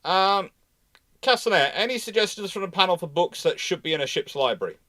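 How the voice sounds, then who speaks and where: A man's voice: high voice, animated, brisk, bright, forceful tone. A man hosting a casual live question-and-answer talk, often breaking off and restarting as he speaks. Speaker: host of a naval history livestream.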